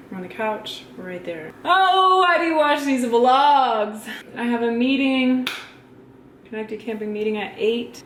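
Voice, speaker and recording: A young adult woman vlogging at home in a casual, candid and reflective way. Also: medium pitch. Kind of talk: casual vlog talk. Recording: echoey room, faint noise.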